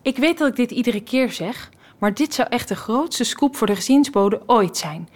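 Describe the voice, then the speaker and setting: An actress playing an excitable, scatterbrained editor-in-chief of a small local paper who rambles dramatically in a radio comedy. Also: female voice, on the high side, normal speed. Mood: eager. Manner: rambling, dramatic, talks herself off track.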